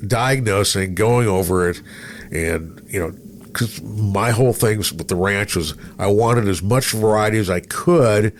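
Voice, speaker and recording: A middle-aged man with a low voice speaks as a podcast host in casual conversation. He tells stories by acting out his own thoughts. Some background noise sits behind him. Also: unhurried. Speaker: podcast host, former radio programmer.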